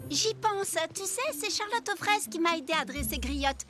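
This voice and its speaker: A woman playing a kind, encouraging young girl with a gentle manner in a French-dubbed children's cartoon. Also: very high voice, lively intonation, moderate pace. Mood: friendly, helpful.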